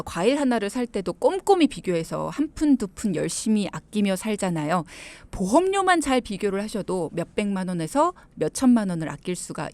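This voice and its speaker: A woman's voice: mid-range voice, darkish tone, dry recording. A woman hosting a radio talk show on money, chatty and teasing her guests. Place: radio studio.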